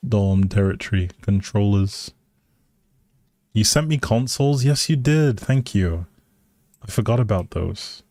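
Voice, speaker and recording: A man's voice: fairly low pitch, lively intonation, measured pace, pauses often, a little mellow, dry recording, studio quality. A man giving casual live game commentary as a streamer, musing aloud in a hesitant way.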